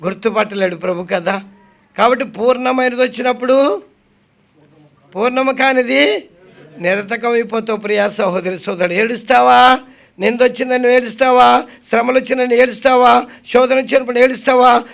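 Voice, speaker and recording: High gravelly-voiced preacher. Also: male voice, a bit bright. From India. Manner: questions the congregation and answers himself; slows to read scripture aloud. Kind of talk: sermon.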